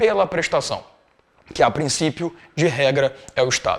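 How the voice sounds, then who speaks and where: A man talks at a fairly quick clip. His intonation is lively. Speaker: law teacher. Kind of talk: lecture. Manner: casual, uses swear words and slang.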